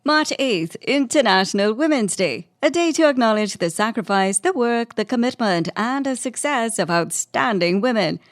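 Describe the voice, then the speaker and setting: A woman's voice: on the high side, animated, moderate pace, few pauses, dry recording, studio quality. A woman, hosting and interviewing in a radio presenter's style. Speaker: radio host and podcast interviewer. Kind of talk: scripted narration and interview.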